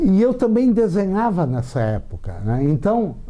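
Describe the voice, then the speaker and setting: Room echo is audible around a dark, mellow tone. The pitch swings very widely at a very slow pace. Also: man. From Santa Catarina, southern Brazil. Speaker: writer and literature professor. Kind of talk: life-story testimony interview.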